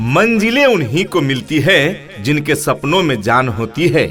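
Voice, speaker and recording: Music plays in the background behind a man. His fairly high voice carries lively intonation. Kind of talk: advertisement voice-over read.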